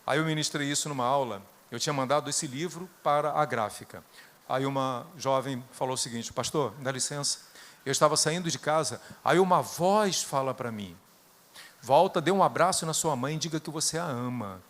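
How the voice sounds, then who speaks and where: A middle-aged Brazilian man with a Brazilian Portuguese accent, preaching a sermon built on personal stories, rising to loud bursts and dropping to hushed tones. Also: medium pitch, moderate pace. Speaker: guest preacher.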